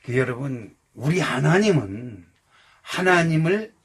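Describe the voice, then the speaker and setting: An older man preaching a sermon as pastor, animated and loud, acting out quotes with bursts of shouting. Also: medium pitch, slow, breathy edge. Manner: animated, acts out quotes in exclamations.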